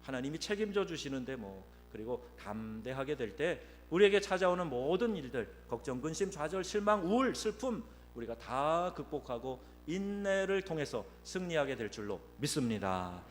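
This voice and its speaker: A man preaching a Sunday sermon in a church sanctuary, his fairly high voice moving in wide, animated swings. He drops to soft asides and then bursts out loud when acting out quotes. The sound carries a long church reverb over a faint hum. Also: moderate pace, few pauses. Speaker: pastor.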